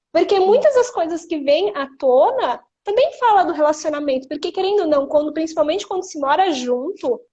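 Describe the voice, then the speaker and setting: A Brazilian woman hosting a live stream, reflecting out loud in long, explanatory sentences. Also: very high voice, highs cut off. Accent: Brazilian Portuguese. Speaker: host.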